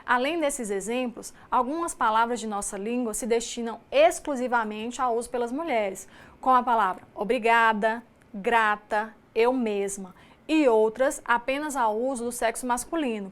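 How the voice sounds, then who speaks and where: A woman with a Mineiro Brazilian accent, a teacher giving a recorded distance-learning lecture in a measured, explanatory way, reading lists item by item. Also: a little high. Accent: Mineiro Brazilian Portuguese. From Minas Gerais, Brazil.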